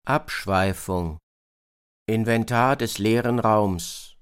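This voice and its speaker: A man's voice: fairly low pitch, slow pace, clean tone. A man presenting on radio with scripted, tongue-in-cheek narration.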